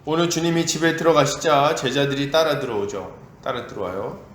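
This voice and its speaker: A male pastor preaching a sermon in a lively, conversational way, acting out quotes as he goes. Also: medium pitch, brisk, echoey room, slight background noise. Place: church sanctuary.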